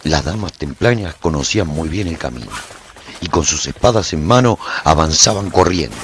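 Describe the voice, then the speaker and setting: Playing a haunted warrior, an actor narrates his post-apocalyptic tale for radio in a solemn, brooding, theatrical and intense manner. His extremely low voice is expressive and moderately paced, with a little hiss or hum behind it.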